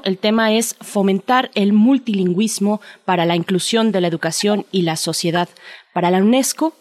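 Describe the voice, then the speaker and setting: A woman's voice: mid-range voice, no echo. Woman host, dry close sound. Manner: hesitant, many fillers. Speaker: radio host. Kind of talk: morning radio talk.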